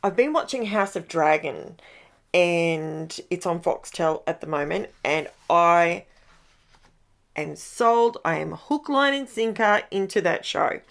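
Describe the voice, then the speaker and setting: A middle-aged woman, chatting in a craft voice-over with a croaky voice, rambling and breaking off her own sentences. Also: on the low side, animated, slow pace. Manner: chatty, rambling, self-interrupting. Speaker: scrapbooking vlogger.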